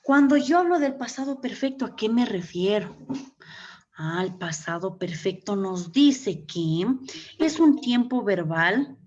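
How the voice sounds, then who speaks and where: A woman's voice: medium pitch, animated, slow, a little mellow. A woman teaching English grammar in Ecuadorian Spanish during an online class, explaining step by step and checking in with "okay?". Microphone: computer mic on a video call. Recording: dull lo-fi video call audio.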